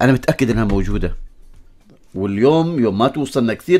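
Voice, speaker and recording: Over light background noise, a man with an Omani accent speaks at a moderate pace in an animated tone. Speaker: radio host. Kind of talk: live radio talk show. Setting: studio. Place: studio.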